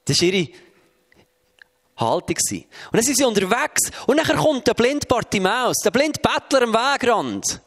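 A man preaching, his voice sitting quite high. He tells the stories vividly and slips into the voices of the people in them. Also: normal speed. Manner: lively storytelling that acts out the voices of Bible figures. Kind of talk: sermon.

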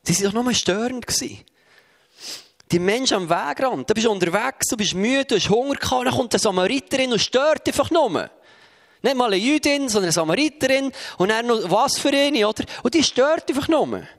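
A man preaching a sermon, telling Bible stories in a lively way and acting out their voices. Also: extremely high pitch, fairly quick. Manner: lively storytelling that acts out the voices of Bible figures.

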